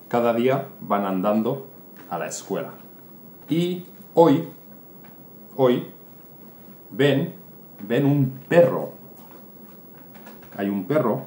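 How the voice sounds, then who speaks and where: A very slow, repetitive man tells a simple story for learners, putting plenty of animation into each phrase. His voice is mid-pitched, the room around him is roomy, and a faint noise sits in the background. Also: darkish tone. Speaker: Spanish teacher.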